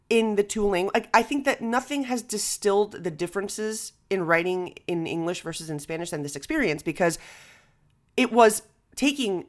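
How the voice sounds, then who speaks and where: A woman hosting a casual podcast conversation, expressive and exclamatory, slipping Spanish phrases into her English. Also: medium pitch. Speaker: podcast host and comedy writer.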